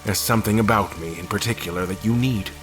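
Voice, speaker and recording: An actor playing a weary, defiant space admiral held prisoner, intense and suspicious, narrating and speaking in an audio drama. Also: male voice, lowish voice, quick pace, a bit bright, soft background music, lightly acted. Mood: accusing. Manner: intense, accusatory. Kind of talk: audio drama first-person narration and dialogue.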